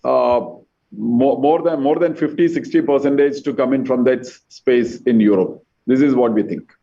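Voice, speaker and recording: An executive speaks from some distance from the microphone. The call-line audio is dull and muffled. His answers are measured and halting, with many repeated words. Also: medium pitch, gravelly, mellow, husky. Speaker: company executive. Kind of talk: earnings conference call answers. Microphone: conference call line.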